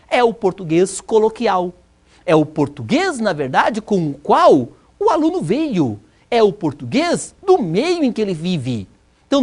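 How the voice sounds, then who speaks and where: Brazilian woman, university lecture, animated pitch, rhetorical questions, repeats for emphasis. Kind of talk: recorded distance-learning lecture.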